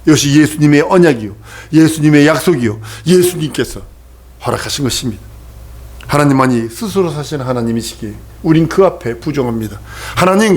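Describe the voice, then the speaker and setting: A man's voice: on the high side, darkish tone. Man preaching an emphatic sermon. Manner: emphatic, repetitive, asks the congregation questions. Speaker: pastor.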